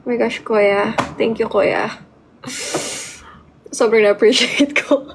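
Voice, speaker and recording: Young woman streamer, high voice, excitable casual storytelling. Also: slow pace, background noise. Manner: chatty, excitable, mixes Tagalog and English. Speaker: live streamer.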